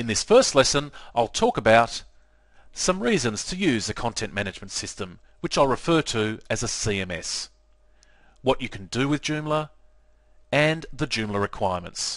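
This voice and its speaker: A man with an Australian accent, lively intonation and long, frequent pauses, against a quiet background. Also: medium pitch for a man, moderate pace. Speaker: online course instructor. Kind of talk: tutorial.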